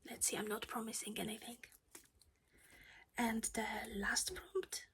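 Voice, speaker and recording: A woman's voice: fairly high pitch, expressive, a little slow, fairly bright tone, slight background noise. A woman whispering her way through a casual cross-stitch project chat at home while losing her voice.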